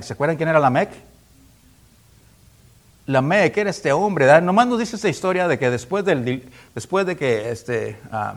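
A man preaching a sermon, reading scripture aloud in a raised voice and asking the congregation questions. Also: medium pitch.

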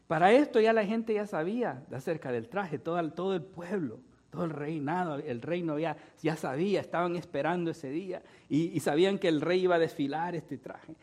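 A man's voice: fairly high pitch, normal speed, hardly any pauses, darkish tone. A male pastor preaching a sermon, retelling a fable and tagging his sentences with "¿no?". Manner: storytelling with frequent "¿no?" tags.

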